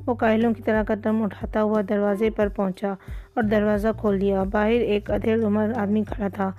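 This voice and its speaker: A woman reading a children's story aloud in a calm, steady way. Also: medium pitch, soft background music. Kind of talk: storybook narration.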